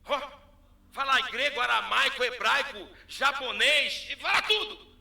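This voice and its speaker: Brazilian pastor, high bright voice, storytelling sermon, echoey hall with music behind. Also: male voice, measured pace, vocal fry. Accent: Brazilian Portuguese. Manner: storytelling, animated, acts out dialogue.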